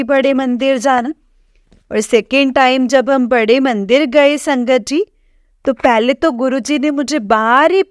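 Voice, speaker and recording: Slow, high-voiced woman. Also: clean tone, no echo, clean studio sound. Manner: earnest, keeps addressing listeners as "sangat ji"; halting, with many restarts and fillers. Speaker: devotee sharing a testimony. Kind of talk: personal testimony to a congregation.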